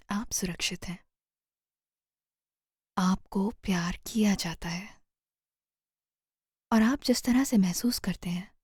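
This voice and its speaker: A woman narrating a guided meditation in a soothing, gentle manner, often trailing off into a near-whisper. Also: mid-range voice, husky, dry recording, studio quality.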